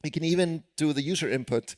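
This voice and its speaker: A man's voice: on the high side, fast. A man with an Icelandic accent, a programmer presenting tips on stage at a conference in a casual, self-deprecating way with many fillers. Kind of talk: live conference tech talk.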